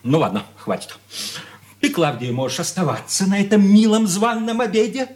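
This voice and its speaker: A man's voice: sits high, moderate pace, darkish tone, natural voice. An actor playing a bitter, sarcastic young man in a radio play, spiteful and mocking. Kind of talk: 1980s radio play acting.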